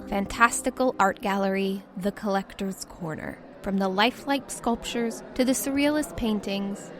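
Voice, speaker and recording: A woman acting as game master, narrating a tabletop roleplaying story in a casual, descriptive way. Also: fairly high pitch. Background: background music.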